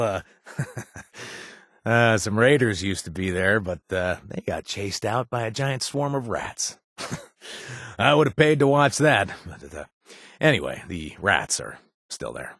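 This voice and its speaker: An actor playing a cocky, pun-loving male wasteland survivor who laughs at his own jokes, with a husky voice. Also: lowish voice, a bit bright, no echo, full character voice. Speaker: game companion character. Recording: dry studio voice-over.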